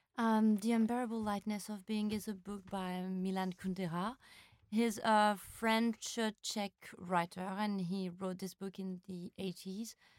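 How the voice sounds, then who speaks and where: Speaking with a French accent, a woman uses a medium pitch and monotone, flat intonation at a fairly slow pace. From Morocco. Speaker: author. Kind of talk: casual chat.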